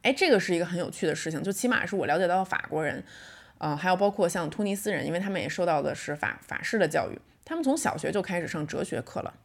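A woman in her thirties hosting a casual solo podcast. She tells a story in a reflective way and slows down to stress her points. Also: lowish voice, expressive, creaky. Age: 30s. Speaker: podcast host.

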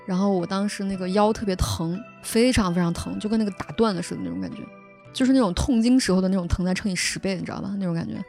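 A young woman from Shaanxi telling a personal story in a casual podcast chat, animated and often laughing. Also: medium pitch, fast talker, soft background music. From Shaanxi, China. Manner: animated, laughs often, frequent tag questions. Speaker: podcast host.

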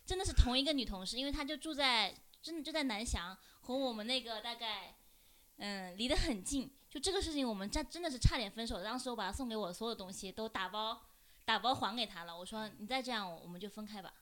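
A woman's voice: on the high side, animated, fast, fairly bright tone. Matter-of-fact woman telling a story. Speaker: guest. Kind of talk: casual storytelling.

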